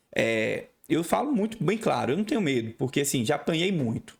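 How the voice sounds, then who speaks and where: A man talks at a moderate pace with vocal fry and very wide pitch swings, on a very clean recording with a silent background. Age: 30s. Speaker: political marketing specialist. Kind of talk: casual interview chat. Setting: studio.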